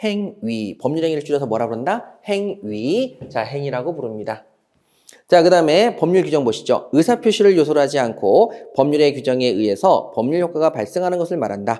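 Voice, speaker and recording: This man's fairly high voice has a dark, mellow tone, with very wide pitch swings and a fairly quick pace. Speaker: law lecturer. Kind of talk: lecture. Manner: question-and-answer call-and-response style.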